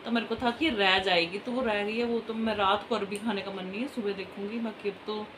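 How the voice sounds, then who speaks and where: A woman's voice: medium pitch, steady tone, a little fast. A woman in her thirties with a sore throat, chatting casually at home in a family vlog. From Punjab, India. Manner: chatty, scolding kids in bursts, quiet asides. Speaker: vlogger. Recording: ambient background noise.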